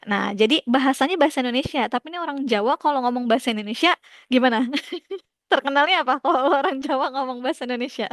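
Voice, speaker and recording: A woman's voice: high-pitched, no room sound, studio quality. A young woman teaching a class, talking casually, laughing often and asking students questions, with many fillers.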